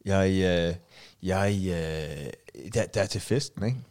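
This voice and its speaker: A man's voice: deep voice, darkish tone. A man co-hosting a podcast, telling a story in a casual chat and laughing often. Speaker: podcast co-host.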